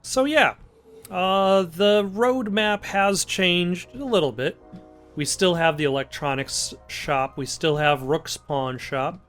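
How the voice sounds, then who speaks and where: Over game music, a man hosts casual let's play commentary with dry, joking asides. His voice is high-pitched and fairly bright, and he speaks at a slow pace.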